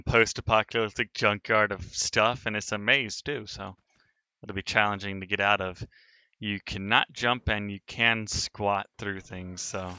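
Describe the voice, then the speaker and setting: A man's voice: fairly low pitch, pushed and bright, clean tone, no room sound. A man streaming a sandbox building game, thinking aloud in casual commentary as he narrates each step of his work.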